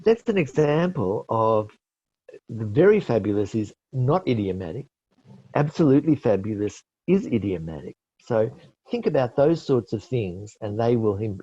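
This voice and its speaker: With a warm, low-leaning voice, lively intonation and a slightly slow pace, a middle-aged Australian man teaches IELTS tips in a webinar and responds to questions. He is patient, corrects himself and uses many fillers. There is no echo, and the webinar call mic audio is dull and lo-fi.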